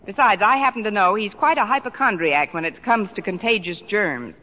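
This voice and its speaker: Sardonic schoolteacher played by a woman; animated delivery; muffled vintage radio recording. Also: medium pitch, brisk, close to an everyday voice. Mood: wry. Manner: dry, sardonic, wisecracking. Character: wry, quick-witted female schoolteacher. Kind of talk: 1940s radio comedy acting. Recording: muffled old radio broadcast, reverb, faint hiss.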